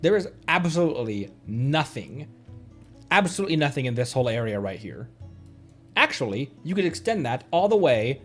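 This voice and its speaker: Animated male streamer with music behind. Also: medium pitch, normal speed. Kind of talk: casual live game commentary.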